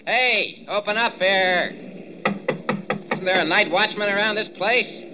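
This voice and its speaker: An actor playing a brash young American male newspaper reporter, brisk and pushy, in a 1940s radio drama on a dull old recording. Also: medium pitch, expressive, heavy background noise, lightly acted.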